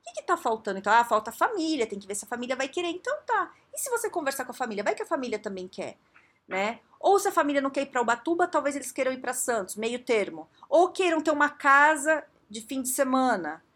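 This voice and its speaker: A woman coach giving a podcast talk, speaking straight to the listener with quick rhetorical questions. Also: high voice, very animated, a bit bright. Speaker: coach working with strategy. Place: São Paulo.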